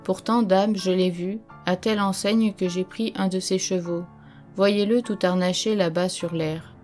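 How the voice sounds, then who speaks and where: A woman's voice: mid-range voice, fairly even intonation, measured pace, a little mellow, faint music behind, natural voice. Medieval male knight, earnest, insistent, storybook reading by a woman.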